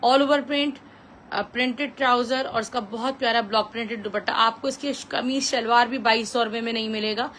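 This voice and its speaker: A woman with a Pakistani accent giving a chatty, repetitive live sales pitch as a clothing seller, mixing in English phrases. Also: fairly even intonation, normal speed, fairly bright tone, a little hiss or hum, rough recording.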